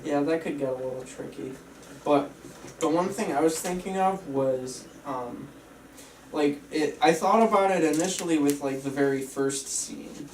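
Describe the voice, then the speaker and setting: A man's voice: on the high side, moderate pace, a little mellow. A man giving casual script feedback, hedging his suggestions tentatively as he goes. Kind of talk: casual chat. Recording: roomy, distant, faint background noise.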